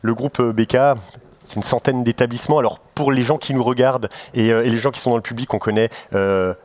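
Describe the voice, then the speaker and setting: A man's voice: medium pitch, fairly even intonation, fairly quick, darkish tone, no echo. A man hosting a studio interview, wordy and repeating himself, with many fillers. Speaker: host. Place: studio set with audience.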